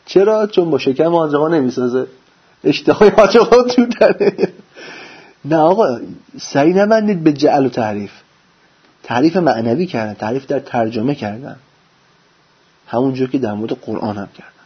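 A man giving a religious lecture, preaching with lively rhetorical questions and answering them himself. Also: mid-range voice, slightly rough. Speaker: religious teacher. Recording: dull lo-fi recording.

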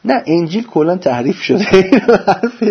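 A man giving a religious lecture, preaching with lively rhetorical questions and answering them himself. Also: mid-range voice, slightly rough. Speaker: religious teacher. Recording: dull lo-fi recording.

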